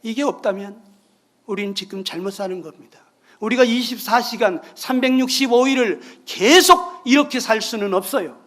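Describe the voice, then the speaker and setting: A middle-aged man preaching a sermon as pastor, swinging between emphatic bursts and quiet drops. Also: high-pitched, moderate pace.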